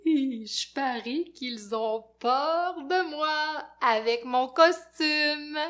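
A woman voicing a small, excitable boy creature in a costume who babbles in panicky rhymes. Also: high-pitched, very slow, pitched above the performer's own voice, full character voice. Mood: cheerful. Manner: bouncy, panicky rhyming babble.

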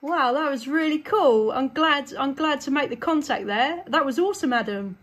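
A woman's voice: high-pitched, normal speed. A woman chatting casually and effusively as a radio operator making contacts. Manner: effusive, enthusiastic. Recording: faint radio hiss and noise.

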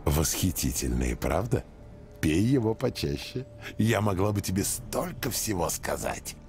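A man's voice: low-pitched, big pitch swings, measured pace, darkish tone, soft background music, full character voice. A man voicing a talking young female horse in a video game, sarcastic, bossy and theatrical, devoted to her rider. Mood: sardonic. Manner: wry, theatrical, teasing. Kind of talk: video game dialogue acting.

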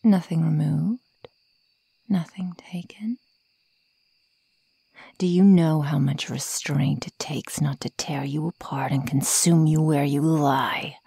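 Woman playing a breathy, sadistic werewolf girl, very slow. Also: sits low, steady tone, warm tone, heavily acted. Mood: scornful, menacing. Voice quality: breathy, whispery. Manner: slow, taunting, menacing. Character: sadistic young female werewolf toying with her prey. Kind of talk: ASMR roleplay. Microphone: close microphone, dry.

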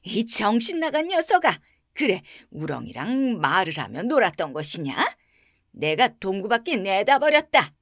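A woman's voice: mid-range voice, sing-song, unhurried, no room sound, studio quality. A woman voicing a stern, hot-tempered old mother in a bedtime storybook reading, talking in a scolding, suspicious way. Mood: angry. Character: stern old village mother, quick to anger.

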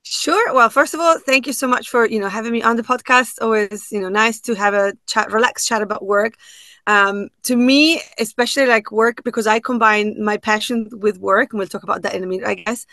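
A woman's voice: a little high, fairly quick, bright, forceful tone, no room sound. A woman in her thirties with an Italian accent, chatting as a guest over a video call, talking with many fillers and restarts. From Italy. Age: 30s. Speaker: podcast guest. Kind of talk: casual chat. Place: home room.

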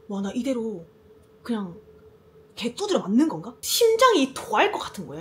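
A young woman telling a story in a casual vlog while doing her makeup, lively and acting out quoted lines. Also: high voice. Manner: animated, acts out quoted lines. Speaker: beauty vlogger.

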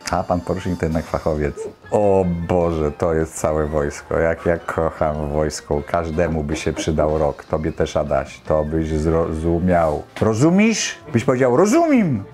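A man's voice: very deep voice, little pitch movement, measured pace, hardly any pauses, darkish tone, soft background music. A man in his fifties giving casual, exclamatory, colloquial commentary as a host reacting to clips. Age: 50s. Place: small indoor home studio.

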